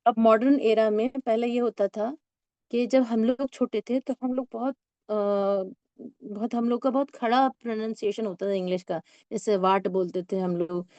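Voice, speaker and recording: A woman teacher leads learners through English sentences, explaining patiently and reading each one slowly, word by word. Her warm, mellow voice is a little high and steady in tone. The recording is close and dry with no echo, though somewhat muffled.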